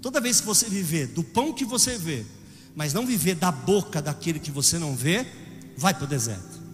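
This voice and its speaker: A man preaching a sermon with a Brazilian Portuguese accent, swinging from loud exclamations to hushed storytelling. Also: a little high, animated, fairly quick, big-room sound, soft background music.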